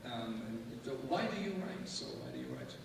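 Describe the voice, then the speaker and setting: Male interviewer for a live stage talk, halting and searching for words, distant from the mic with long reverb. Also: medium pitch, huge pitch swings, over a noisy crowd. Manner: hesitant, halting, rambling questions. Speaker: moderator, interviewer. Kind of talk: live public discussion. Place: public event hall with audience. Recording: very echoey hall, distant mic, clear noise.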